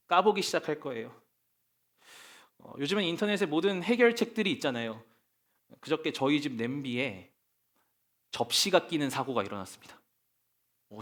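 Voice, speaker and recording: A male pastor delivers a sermon in a church, and his voice sits a little high and moves in lively swings. He talks in an easy, conversational way and keeps asking rhetorical questions of his listeners.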